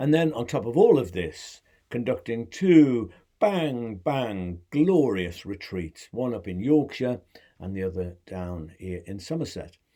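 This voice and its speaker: Talking at a fairly slow pace with an English accent, a man has a dark, mellow tone, very wide pitch swings and big swings in loudness. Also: medium pitch for a man, very clean recording, silent background. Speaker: spiritual podcaster. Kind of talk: casual monologue. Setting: home shed.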